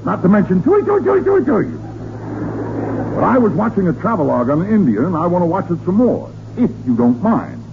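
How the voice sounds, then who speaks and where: Fed up sputtering american dad, old radio comedy, voice all over the place, tinny sound. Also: male voice, high-pitched, huge pitch swings, fairly quick, vocal fry, exaggerated voice. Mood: exasperated. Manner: exasperated, sputtering, sarcastic. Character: exasperated, flustered middle-aged suburban father. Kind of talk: 1940s radio comedy acting. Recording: tinny, faintly noisy 1940s radio recording.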